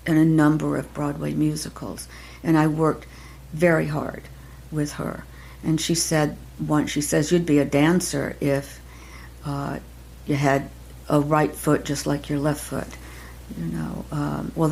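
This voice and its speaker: An older woman, an acting teacher, talking reflectively in an interview, soft-spoken and halting, with many pauses and restarts. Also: sits low, gravelly, low-quality recording. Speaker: acting teacher, podcast guest.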